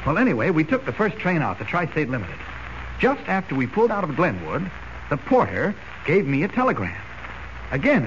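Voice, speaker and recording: An actor playing an earnest young newspaper reporter who talks urgently and stammers when cornered, in 1940s radio acting. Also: male voice, a little high. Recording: dull, hissy old radio recording.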